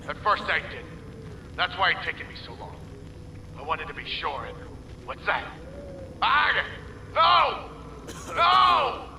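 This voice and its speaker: Male anxious gang underling, urgent, rough grammar, heavy vocal fry, noisy far-off audio log. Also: on the high side, echoey room, heavily acted. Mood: panicked. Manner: urgent, hurried, ungrammatical. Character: frightened, loyal male gang henchman leaving a warning.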